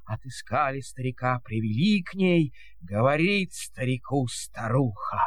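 A man narrating a verse fairy tale in a theatrical, measured storytelling manner. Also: medium pitch, expressive, no room sound, clean studio sound.

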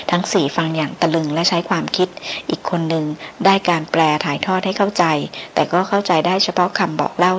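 Female audiobook narrator, lowish voice, even pace, faint hiss behind. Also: low-quality recording. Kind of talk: scripted novel narration.

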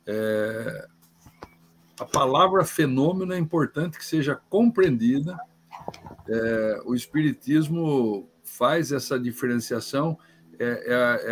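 A man's voice: medium pitch, slight background noise. A man from Brazil co-hosting a talk show in a chatty way, often repeating words while he searches for them. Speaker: co-host. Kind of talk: casual chat.

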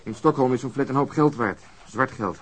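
An actor playing a blunt, assertive police detective reasoning through a case in a naturalistic radio drama. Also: male voice, medium pitch, brisk, fairly bright tone, natural voice. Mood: convinced, indignant.

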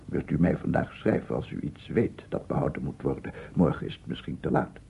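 An actor playing an unhinged, tormented scientist in a radio play, speaking haltingly and repetitively with a gravelly, husky voice. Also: male voice, extremely low pitch, animated, a little hiss or hum, heavily acted. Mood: troubled, brooding. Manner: halting, repetitive, rambling, from murmurs to loud declaiming. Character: unhinged, tormented male scientist, a visionary sound researcher. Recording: narrow, phone-like old radio recording.

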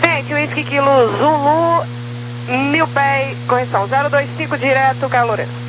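A Brazilian woman working as an air traffic controller gives clipped instructions over a crackly, military-style aviation radio. Her voice is high-pitched and steady at a normal pace, with music in the background. The transmission hums and is noisy and crackly.

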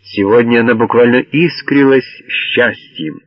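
A man reading a novel aloud as an audiobook narrator, in a measured, even way. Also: medium pitch. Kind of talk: scripted narration. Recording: dull lo-fi dry audio.

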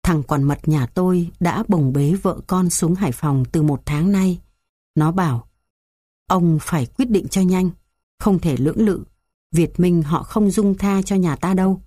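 A woman's voice: on the low side, a little slow, dark tone, husky, no room sound, studio quality. A woman reading the lines of an old village landowner, earnest and anxious. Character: worried old village landowner, elderly man.

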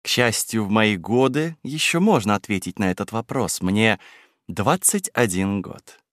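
Flighty young society wife, voiced by a man, chattering, bossy, excitable, dry close sound. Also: fairly low pitch, unhurried, no room sound.

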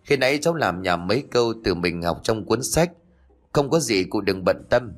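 A man's voice: lowish voice, lively intonation, moderate pace. A man voicing a sly, cowardly young lodger who whines and pleads in a spoken ghost story. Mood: nervous. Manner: whiny, pleading.

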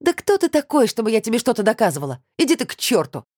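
A man voicing an indignant young woman, high and ringing. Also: animated, fast talker, dry recording, clean studio sound. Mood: furious. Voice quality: ringing raised voice. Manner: shouting, indignant, near tears. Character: young woman, hurt, proud and stubborn ex-fiancée. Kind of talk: audiobook character reading.

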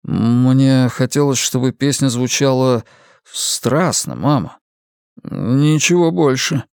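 A young rock-singer son, voiced by a male narrator, defensive and drawn out as he answers. The voice sits at a medium pitch and is recorded close and dry, with no room sound. It reads as an audiobook dialogue. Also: takes it slowly, a little mellow, clean tone, no room sound. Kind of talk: audiobook character voice.

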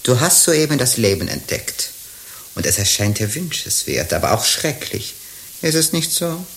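Celestina, a gravelly old Gypsy procuress. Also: female voice, extremely low pitch, very animated, moderate pace, slight background noise, full character voice. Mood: conspiratorial. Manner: teasing, theatrical, scolding. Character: sly old Gypsy procuress queen, earthy and mocking. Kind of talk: radio drama acting.

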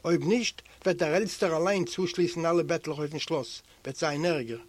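A man reading aloud voices a warm, fatherly prison guard who speaks gently and a little louder than the narration. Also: fairly high pitch, normal speed, lightly acted. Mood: urging.

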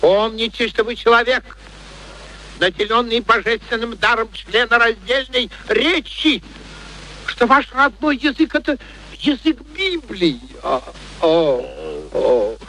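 An arrogant, excitable professor with a high, bright voice. He declaims with pompous precision and scornful emphasis. The sound is that of a vintage theatrical radio play, with faint noise behind him. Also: a little slow, exaggerated voice, poor audio. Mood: scornful, outraged.

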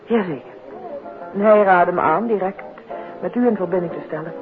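An actress playing a polite, formal, uneasy countess in a 1950s radio play. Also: female voice, lowish voice, moderate pace, over music, lightly acted. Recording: tinny 1950s radio recording.

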